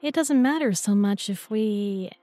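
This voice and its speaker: A woman's voice: mid-range voice, unhurried, warm tone, no echo, lightly acted. A young woman playing an affectionate, teasing new girlfriend in an intimate roleplay audio, with a playful, tender, coaxing manner. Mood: reassuring, affectionate.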